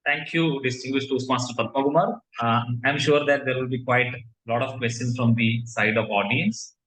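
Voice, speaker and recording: A man moderates a session in a formal style. His voice sits at a medium pitch, and the recording has a noticeable room echo. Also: fairly even intonation, normal speed, a bit bright. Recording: echoey, roomy pickup.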